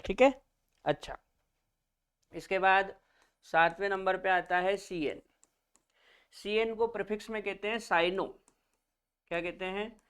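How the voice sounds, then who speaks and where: A man's voice: high voice, steady tone, a little slow, pauses often, fairly bright tone, clean tone. A male chemistry teacher giving a classroom lecture, naming each term, then asking students to repeat it back, calling them children.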